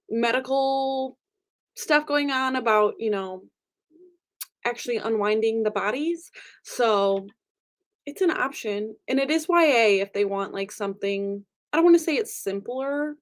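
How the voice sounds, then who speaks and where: A young woman vlogging casually about books from home, rambling with lots of fillers. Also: fairly high pitch. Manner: chatty, rambling, frequent fillers. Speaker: book vlogger. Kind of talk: casual chat. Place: home room with angled ceiling.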